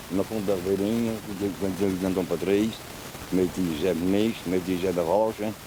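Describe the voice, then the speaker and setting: Through noticeable background noise, a man with a very deep, low pitch talks at a moderate pace in a flat monotone, his loudness very even. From Azores, Terceira island (Ribeirinha). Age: 60s. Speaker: bullfight rope handler. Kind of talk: interview about his life. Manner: halting.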